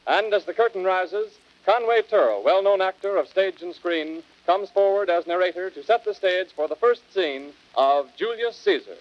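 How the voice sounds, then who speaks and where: A man's voice: sits high, lively intonation, moderate pace, few pauses, slight background noise. A man working as a radio announcer, reading formally in a 1930s broadcast style. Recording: dull, band-limited vintage radio recording.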